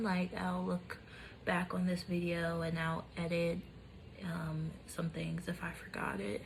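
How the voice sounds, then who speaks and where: Audible room echo follows a woman as she speaks at a fairly slow pace. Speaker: lifestyle vlogger. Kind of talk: casual vlog monologue. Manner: animated, filler-heavy.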